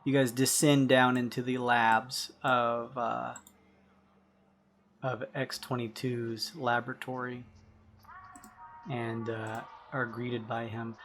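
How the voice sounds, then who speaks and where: A man runs a tabletop game, narrating in hesitant, improvised phrases. His mid-pitched voice has plenty of fry, and there is faint noise behind him. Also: level tone, slow pace, long pauses, fairly bright tone. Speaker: game master.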